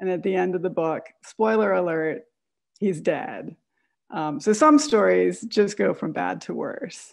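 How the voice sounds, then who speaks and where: A woman speaks at a fairly slow pace. The background is quiet. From Philadelphia, US. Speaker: design writer and curator. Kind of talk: lecture. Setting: video call from home. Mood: lightly humorous. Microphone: webcam.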